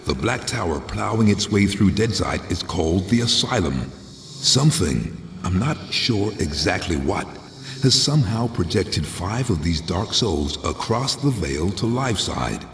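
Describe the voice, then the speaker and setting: A grim undead demigod speaks very low in a cavernous space. His delivery is grave and theatrical, swinging widely in pitch, with a dry sarcastic streak, as in a dark video game. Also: full character voice. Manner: grave, poetic when narrating, dry sarcasm in talk. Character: brooding male undead voodoo demigod, lord of the dead. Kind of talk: dramatic video game voice acting. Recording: echoey reverberant hall, faint hiss.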